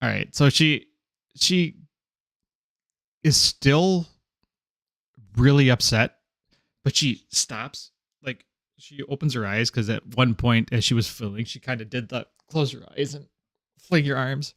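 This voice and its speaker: Halting man narrating as game master. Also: mid-range voice, fairly bright tone, dry recording, clean studio sound. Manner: halting, with many fillers and chuckles.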